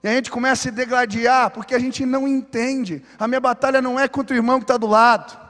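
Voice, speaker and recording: A man's voice: very high voice, fairly even intonation, quick pace, a bit bright. A man with a Brazilian Portuguese accent, a pastor preaching a sermon with passion, mixing casual asides with building exhortation. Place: church sanctuary. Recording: long reverb of a church hall.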